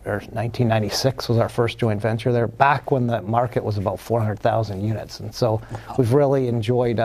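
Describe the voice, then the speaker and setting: A man guest on an interview show, speaking with a gravelly, creaky edge. He talks in a hesitant way, full of fillers and restarted phrases. His pitch sits in an ordinary middle range. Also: a little mellow. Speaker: company executive guest. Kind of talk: casual interview answers.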